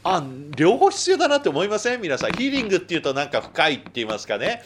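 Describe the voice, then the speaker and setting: A man preaching a conversational sermon as a pastor, moving between loud emphasis and hushed asides. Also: high-pitched, wildly swooping pitch, quick pace, slight background noise.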